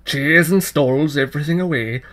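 A man voicing a sharp, bossy fairy changeling boy. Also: on the high side, moderate pace, close to an everyday voice. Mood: bossy, gleeful. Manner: loud sharp commanding.

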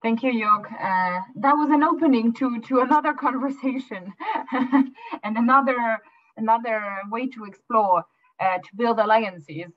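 A man moderating an online panel, speaking haltingly with many restarts over a laptop video call. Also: very high voice, muffled recording.

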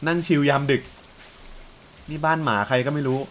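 A young man giving casual, chatty commentary while playing a farming game, often breaking into excited exclamations. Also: a little high, moderate pace, a little hiss or hum. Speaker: let's play gamer.

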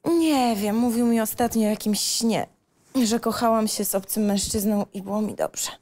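A woman's voice: medium pitch, normal speed, darkish tone, close to an everyday voice. An actress playing an intimate, teasing and conflicted young woman lover in a screenplay reading performed as a radio play. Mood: reproachful. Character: Alicja, a teasing, conflicted 25-year-old secret lover.

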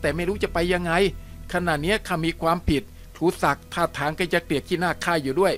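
Rough blunt teen boy done by the narrator, slangy, troubled. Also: high voice, fast, a bit bright, soft background music. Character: troubled rough teenage runaway boy, loyal.

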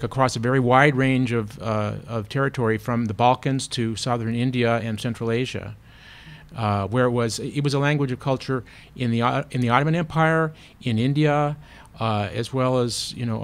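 A man, a professor on a panel, answering audience questions thoughtfully with frequent fillers and restarts, at a table microphone in a small seminar room. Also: mid-range voice.

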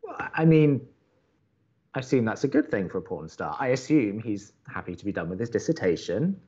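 An upbeat young college radio co-host in a romantic comedy podcast. He is chatty, wry and earnest, with a lively, moving pitch. The sound is slightly muffled. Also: brisk, slightly rough. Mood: wry, awkward. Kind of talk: romantic comedy audio drama dialogue.

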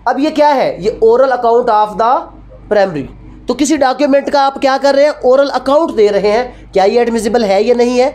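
A woman's voice: a little high, normal speed, darkish tone. A woman with a Pakistani accent teaching a law class, posing questions and answering them herself, switching between Urdu and English terms. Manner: didactic, asks rhetorical questions and answers them; mixes Urdu with English legal phrases. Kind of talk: classroom lecture.

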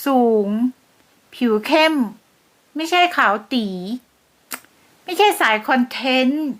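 A woman's voice: high-pitched, expressive, slow, a bit bright. A woman hosting a celebrity gossip channel, chatting and gushing with frequent exclamations. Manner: gushing, exclaims and laughs often.

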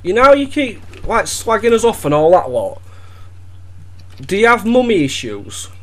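A man's voice: high-pitched, measured pace. A young man from Wales trolling an opponent over game voice chat in a mock-innocent, sarcastic way. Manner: teasing, deadpan, mock-innocent. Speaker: gaming video creator trolling an opponent.

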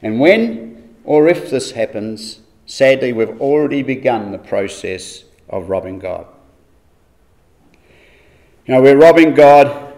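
A man's voice: mid-range voice, expressive, a little mellow. Earnest man giving a Bible talk. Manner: earnest, measured, with rhetorical questions. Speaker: Bible study speaker.

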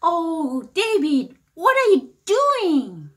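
A woman voicing a mother in a picture book, reading her lines in a slow, exaggerated way as she scolds and comforts a small boy. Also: very high-pitched, huge pitch swings, voice pushed up, heavily acted. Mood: scolding.

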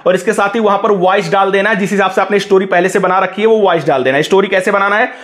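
A man's voice: sits high, fast talker, fairly bright tone. A man hosting a tech tutorial, narrating over a phone screen recording and keeping on at viewers to look as he shows each step. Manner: instructive, keeps saying "look" to guide viewers.

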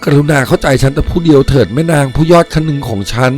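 A man's voice: on the high side, fast, darkish tone, soft background music, lightly acted. Man playing a lovestruck painter, fervently pleading. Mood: pleading, lovelorn. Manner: fervent, stammering, insistent pleading. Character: lovestruck male painter, devoted, pleading with ghost.

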